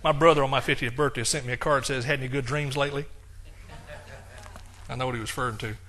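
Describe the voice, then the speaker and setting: A man's voice: mid-range voice, steady tone, fast, bright, forceful tone. An older man preaching a sermon, reading scripture aloud with rising emphasis and explaining it in a casual, conversational way.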